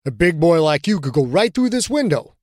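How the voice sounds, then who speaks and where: A man's voice: fairly high pitch, big pitch swings, brisk, a little mellow, dry recording. A man voicing an older veteran athlete who talks in a dry, laid-back way. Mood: calm. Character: older, unflappable veteran male player.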